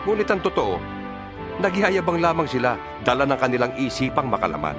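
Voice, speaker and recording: A man with a Filipino accent voicing an earnest apostle in a dramatized scripture reading, solemn and emphatic, with measured phrasing. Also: mid-range voice, lively intonation, over music, lightly acted. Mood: solemn exhortation. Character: earnest male apostle exhorting his followers by letter. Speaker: Bible reader voicing an apostle's letter.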